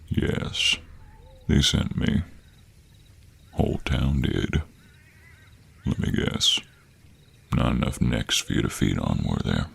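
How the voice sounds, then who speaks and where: An extremely low, heavily creaky voice drawls slowly in a cowboy accent, performed by a man. This is a monster hunter from a fantasy audio drama, sure of his strength, flirting as he threatens. He takes his time with every phrase, teasing and menacing, over faint background noise. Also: full character voice. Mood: quiet menace. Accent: American cowboy drawl. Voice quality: very deep, gravelly. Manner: slow, teasing drawl with terms of endearment. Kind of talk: intimate scripted audio roleplay.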